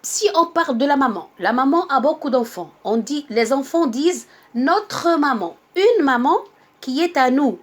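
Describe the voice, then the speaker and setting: A woman's voice: high-pitched, expressive, normal speed. A woman teaching a grammar lesson, explaining patiently with many examples and repetitions.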